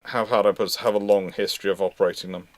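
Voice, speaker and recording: Low-pitched man, halting and discursive. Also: steady tone, no echo. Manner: halting, discursive, thinking aloud. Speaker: naval history host answering questions. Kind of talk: informal live question-and-answer talk.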